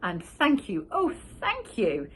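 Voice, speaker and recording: A woman voicing a kind, excited female witch in a storybook reading. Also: takes it slowly, slightly rough, exaggerated voice. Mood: grateful. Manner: high cries.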